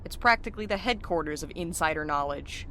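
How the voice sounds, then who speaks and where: A lowish female voice, dry and skeptical, belonging to a blunt, sardonic woman. She is curt in her audio drama dialogue, with faint noise behind her. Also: lively intonation, fairly quick, bright, forceful tone, full character voice, poor audio.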